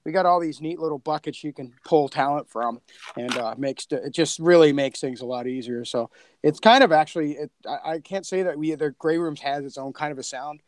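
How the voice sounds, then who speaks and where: A man hosting a podcast in casual chat, talking in a laid-back, halting, rambling way. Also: fairly high pitch, no room sound. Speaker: podcast co-creator and host.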